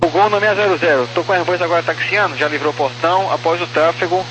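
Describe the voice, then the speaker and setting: Male Brazilian air traffic controller, higher-pitched, issuing clearances over a noisy radio channel. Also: fast. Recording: noisy aviation radio with hum.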